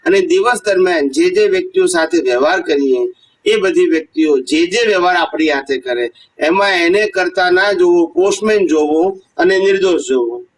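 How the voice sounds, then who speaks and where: High-voiced man preaching, mic set back. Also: expressive, moderate pace. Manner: keeps checking if listeners understood; storytelling with rhetorical questions. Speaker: spiritual teacher. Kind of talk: devotional discourse to a gathering. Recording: voice picked up from a distance.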